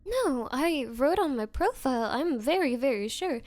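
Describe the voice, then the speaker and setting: Woman acting a high-voiced, nervously clingy yandere girlfriend. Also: expressive, a little mellow, no echo. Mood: hurt, unsettled. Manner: halting, flustered, breathy hesitations. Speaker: roleplay voice performer. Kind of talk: anime-style ASMR audio roleplay.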